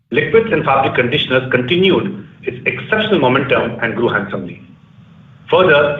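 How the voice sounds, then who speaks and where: A man with an Indian accent giving a prepared, formal and measured financial presentation as a company executive on a conference call. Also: medium pitch. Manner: formal, measured corporate delivery. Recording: distant, echoey phone-like conference line.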